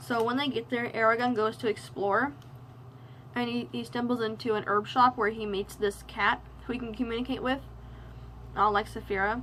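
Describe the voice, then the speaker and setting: A woman at a moderate pace, with fairly high pitch. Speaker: book reviewer. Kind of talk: casual book review to camera. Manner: monotone; hesitant, stumbling.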